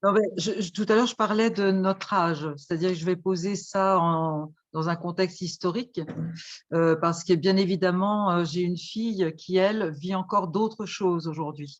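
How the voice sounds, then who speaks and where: Speaking at a moderate pace, a woman has an unremarkable speaking voice, medium in pitch, with fairly even intonation. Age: 60s. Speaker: guest in discussion. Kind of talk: casual discussion.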